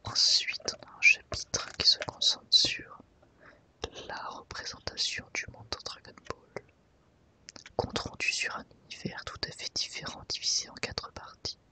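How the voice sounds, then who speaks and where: A woman's soft, breathy whisper carries this ASMR video, her phrasing careful, gentle and relaxed in pace. The microphone is angled slightly to one side of her.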